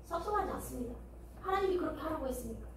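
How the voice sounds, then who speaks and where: High-voiced woman preaching in echoey hall. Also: animated, rapid-fire, slight background noise. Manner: conversational preaching with rhetorical questions and acted quotes. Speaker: pastor. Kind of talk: sermon. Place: church sanctuary. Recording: echoey church hall, mic at a distance.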